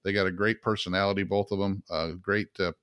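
A man's voice: low-pitched, little pitch movement, fast talker, a bit bright, clear, resonant tone, dry recording, studio quality. A middle-aged man from upstate New York hosting a cooking podcast, talking in an easygoing, rambling way with fillers. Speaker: podcast host. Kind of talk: casual podcast chat.

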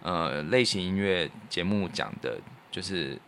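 Casting: male podcast co-host, low voice, Taiwanese Mandarin accent, earnest and reflective casual storyteller. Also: animated, a little slow, a bit bright, a little hiss or hum. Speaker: podcast co-host and radio professional.

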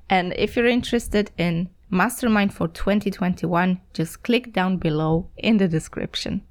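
A woman's voice: medium pitch, creaky. A woman hosting a podcast, chatty and enthusiastic, laughing easily. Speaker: podcast host. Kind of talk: casual podcast interview.

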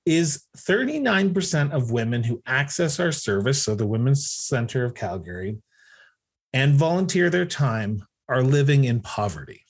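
Husky male podcast host. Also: mid-range voice, big pitch swings, normal speed. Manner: emphatic, repeats words when stressing a point. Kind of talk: interview hosting.

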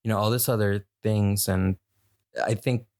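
A man's voice: on the low side, steady tone, normal speed, darkish tone. A man co-hosting a casual chat, giggling often and rambling with hesitant restarts.

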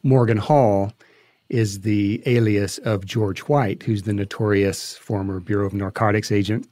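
A man's voice: fairly low pitch, steady tone, a little slow, dark tone, no room sound. A man speaking as an interview guest, giving conversational answers about his work.

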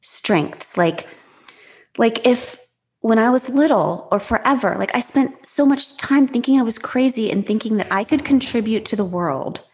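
A woman author with a high-pitched voice, talking fast and openly as a guest in an interview. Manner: fast, animated, self-revealing, many restarts. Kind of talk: casual interview talk.

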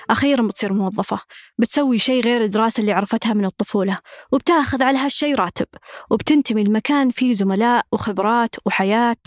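A woman narrates a documentary podcast at a very quick pace, with a pitch a little above average. Her delivery is measured and scripted, and the recording is close and dry with no room sound. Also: dry recording.

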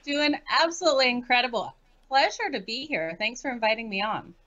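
Upbeat woman from Canada as betting guest, high bright voice, lo-fi remote sound. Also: lively intonation, brisk. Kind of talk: casual interview.

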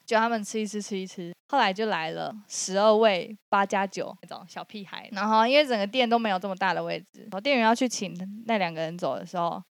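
A woman, co-hosting a podcast and retelling a story in a lively, laughing way. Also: medium pitch, quick pace, vocal fry, few pauses, no room sound. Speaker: podcast co-host. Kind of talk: casual storytelling chat.

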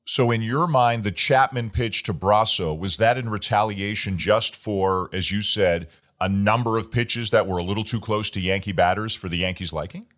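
A man hosting a sports talk show, asking his guest measured, conversational questions. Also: lowish voice, fairly bright tone. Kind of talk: interviewing a guest.

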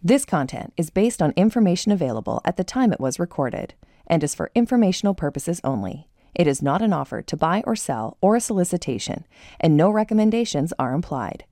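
A woman's voice: on the low side, very animated, brisk, dark tone, no room sound, clean studio sound. A woman reading a formal legal disclaimer at the end of a podcast. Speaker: disclaimer announcer.

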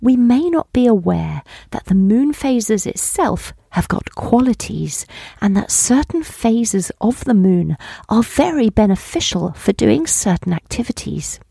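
Uk woman podcast host, bit of vocal fry, soft scripted intro, dry studio sound. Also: mid-range voice, no room sound. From United Kingdom.

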